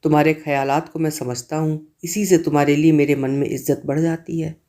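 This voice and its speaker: A man voicing an earnest young man in a storybook reading who gently coaxes and persuades. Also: on the high side, steady tone, fairly quick, natural voice.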